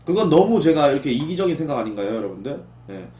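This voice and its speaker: A young man hosts a casual live stream and talks straight back to his viewers, his pitch rising and falling a lot as he answers them. His voice sits fairly high for a man. The room behind him adds a noticeable echo. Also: big pitch swings, quick pace, warm tone. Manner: talks back to chat, rising into exasperated outbursts.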